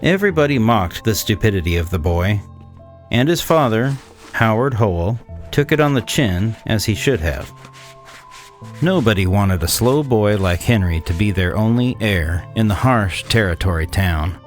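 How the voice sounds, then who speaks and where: A man playing a cynical, disdainful 1800s swindler, narrating a gothic horror tale in a measured, condescending way. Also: lowish voice, expressive, faint music behind, close to an everyday voice. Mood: grim, detached. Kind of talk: scripted dramatic horror narration.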